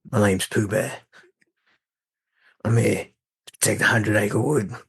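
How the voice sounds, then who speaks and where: In a put-on character voice, someone soft-spoken and raspy talks at a moderate pace. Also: man, fairly low pitch for a man. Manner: earnest, gentle.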